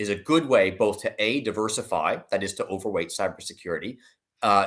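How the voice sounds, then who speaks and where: An investment analyst appears as an interview guest, offering conversational financial commentary in a lowish, bright, forceful voice. He explains things emphatically and frequently rephrases himself mid-thought.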